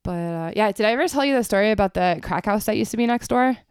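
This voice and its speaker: Chatty New woman with a smooth voice. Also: mid-range voice, quick pace, no room sound, clean studio sound. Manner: chatty storyteller, heavy use of "like", swears casually. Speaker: podcast co-host. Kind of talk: casual chat. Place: apartment in Brooklyn.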